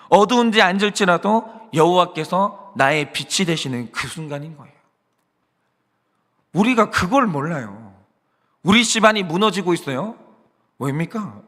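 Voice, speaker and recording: Male pastor, high and animated delivery, earnest confessional sermon, reverberant church hall. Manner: earnest, emphatic, rhetorical questions. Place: church sanctuary.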